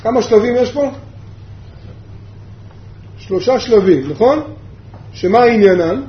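A man's voice: sits high, expressive. A man teaching a yeshiva class a Torah lesson, asking his listeners rhetorical questions and repeating his main points. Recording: echoey room, dull sound, faint background hum.

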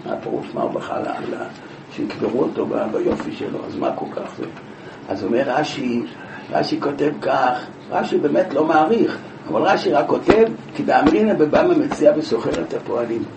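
Male Talmud teacher, animated storyteller, slightly high voice, roomy echo, background noise. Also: vocal fry. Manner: animated, lively storytelling with many rhetorical questions. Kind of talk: Talmud class, explaining a passage. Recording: echoey room from far off, with background noise.

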